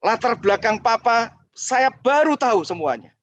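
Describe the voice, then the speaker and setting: A man's voice: extremely high pitch, expressive, normal speed, fairly bright tone, no room sound, dull audio, pitched above the performer's own voice. A man voicing a cheeky young college student who claims he knows everyone's secrets. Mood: teasing.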